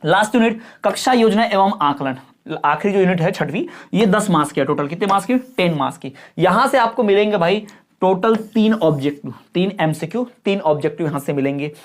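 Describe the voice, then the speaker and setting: A woman teacher giving an exam-prep lecture, often asking if things are clear and adding up marks aloud. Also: on the low side, lively intonation, brisk.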